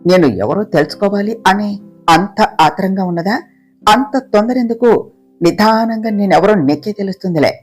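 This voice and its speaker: A woman voicing the vengeful ghost of a murdered young woman, speaking in a lowered, menacing, taunting voice. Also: moderate pace, a little mellow, soft background music, natural voice.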